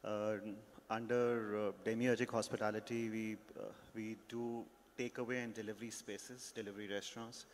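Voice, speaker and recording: Man panelist, lowish voice, halting with fillers, hall reverb, faint background noise. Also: little pitch movement. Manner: halting, many filler sounds. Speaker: restaurant brand founder, panelist. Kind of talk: self-introduction on a panel. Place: large conference stage. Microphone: handheld mic.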